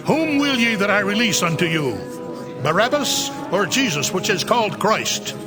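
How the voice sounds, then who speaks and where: High, dramatic Roman governor played by a man. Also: sing-song, moderate pace, over music. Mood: questioning, stern. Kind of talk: dramatized scripture acting.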